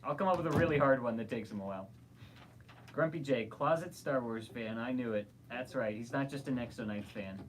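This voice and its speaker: A talkative man co-hosts a relaxed livestream. His voice sits at an ordinary middle pitch, and he reads viewer comments out loud between bits of banter, with a faint hiss behind him. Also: a little fast. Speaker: livestream co-host reading viewer chat. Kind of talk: casual livestream chat.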